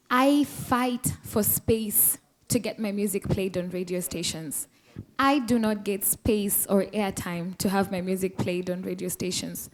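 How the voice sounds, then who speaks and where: A woman's voice: mid-range voice, a little mellow. A woman speaking as a musician on a panel, earnest and impassioned. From Kenya. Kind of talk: panel discussion remarks.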